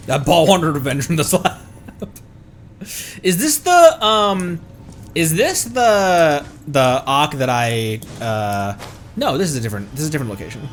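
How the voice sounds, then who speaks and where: Animated man streaming a game. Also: fairly high pitch, slight background noise. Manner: animated, halting, exclaims often. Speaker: livestreamer, VTuber. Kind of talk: casual gameplay commentary. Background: game music.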